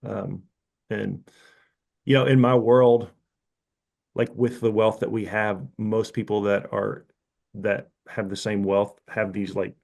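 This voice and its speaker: A man's voice: on the low side, flat delivery, slow pace, creaky, long pauses, darkish tone. A man in his fifties talking frankly and casually as a podcast guest, rambling with restarts and asides. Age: 50s. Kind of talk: casual interview talk.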